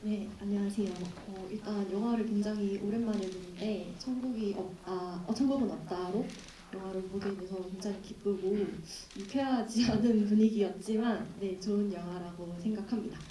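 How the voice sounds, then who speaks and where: A woman's voice: medium pitch, steady tone, normal speed, mellow, a little hiss or hum. A woman from South Gyeongsang, an audience member asking a polite question at a film Q&A. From Gyeongsangnam-do, South Korea. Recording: echoey cinema hall from far off.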